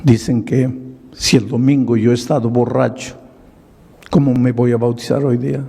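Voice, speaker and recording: Pastor voicing a remorseful, broken drunkard. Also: male voice, mid-range voice, steady tone, normal speed, vocal fry, mellow, husky. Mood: pleading. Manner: pleading, confessional. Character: grieving middle-aged male drunkard, broken and remorseful. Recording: echoey large hall.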